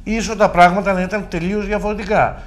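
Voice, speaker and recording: A man's voice: high-pitched, flat delivery. A middle-aged man, a regional deputy governor, arguing his case emphatically in a local TV interview and using rhetorical questions.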